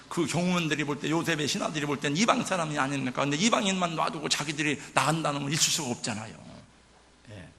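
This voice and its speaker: 교회 예배당에서 설교하는 나이 든 남자 목사. 밝고 힘 있는 목소리로 감정 가득한 이야기를 들려주며, 목소리는 다소 높은 편이다. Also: male voice, fairly high pitch, vocal fry, a bit bright, a little hiss or hum. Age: older. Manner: vivid, emotional storytelling with many interjections. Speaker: pastor. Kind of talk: sermon. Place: church sanctuary. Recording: church hall reverb.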